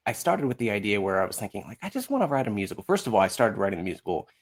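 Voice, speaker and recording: Lowish-voiced man in rambling casual chat. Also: sing-song, very fast. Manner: rambling, often quotes himself and others in dialogue. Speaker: podcast guest, musical writer.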